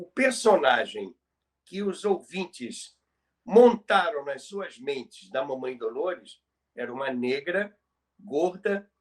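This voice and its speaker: A Brazilian man co-hosting a podcast, telling stories about radio history in a halting way that repeats words. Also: a little high. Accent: Brazilian Portuguese. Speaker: podcast co-host.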